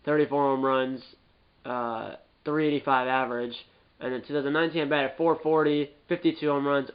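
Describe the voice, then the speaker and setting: A man's voice: mid-range voice, smooth, highs cut off. Congested man rambling through gameplay commentary. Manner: rambling, repeats and corrects himself. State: stuffy nose from a cold. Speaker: gaming YouTuber.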